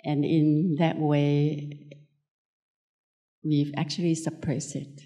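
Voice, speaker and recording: A woman from Thailand with a Thai accent, a Buddhist nun giving an unscripted spiritual talk in gentle, short, simply worded phrases. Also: low voice, level tone, slow pace.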